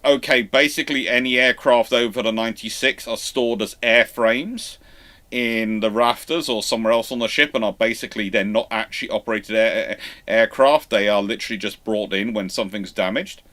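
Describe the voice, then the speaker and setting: Male live-show host, mid-pitched, explanatory and discursive, often breaking off to rephrase himself mid-sentence. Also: fairly bright tone. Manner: explanatory, halting with false starts and self-corrections. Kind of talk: informal live Q&A commentary on naval history.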